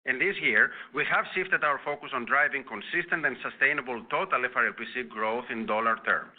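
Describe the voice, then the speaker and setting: A man working as a finance executive, reading a scripted earnings presentation in a formal, measured manner over a conference call. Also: mid-range voice. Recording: tinny phone-line conference call audio.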